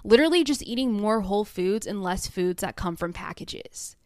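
A young woman hosting her own podcast, talking frankly and oversharing, swearing freely and mimicking herself in high, silly voices. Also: expressive, normal speed, darkish tone, no room sound, studio quality. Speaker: podcast host. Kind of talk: candid solo podcast monologue.

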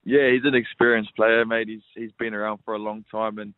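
A young Australian man, a rugby league player from Sydney, answers interview questions by phone in a relaxed way, often repeating words and saying mate. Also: lowish voice, a little fast, clear, resonant tone, no echo. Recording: tinny phone line.

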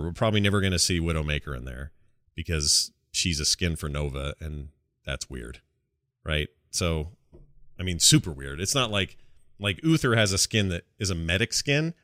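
A man hosting a casual gaming podcast, rambling along in an animated, colloquial way. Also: sits low, no echo, studio quality. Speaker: podcast host.

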